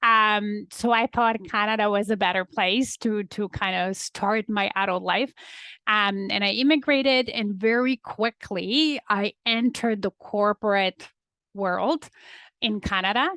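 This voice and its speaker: Bright and sharp, a woman's fairly high voice comes with a Polish accent and ordinary pitch variation. She speaks at a fairly slow pace in a dry, close sound with no echo. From Poland. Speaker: business and leadership coach. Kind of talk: podcast interview.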